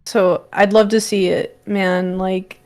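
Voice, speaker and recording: A woman's voice: mid-range voice, little pitch movement, slow, darkish tone. A woman chatting casually as a livestream guest, with a slangy, encouraging way of talking. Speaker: livestream guest and content creator. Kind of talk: casual chat.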